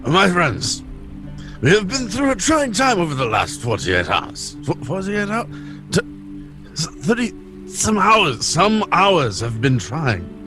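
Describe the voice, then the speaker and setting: Man acting a high, swooping, theatrical circus toastmaker. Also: huge pitch swings, slow, music in the background, heavily acted. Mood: solemn, rousing. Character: hearty circus man giving a rousing toast. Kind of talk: tabletop roleplay in character.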